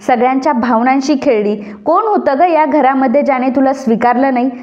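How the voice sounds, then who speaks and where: A woman's voice: high voice, fairly quick, darkish tone, natural voice. A woman voicing a stern elder brother who scolds with reproachful questions. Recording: dull lo-fi recording.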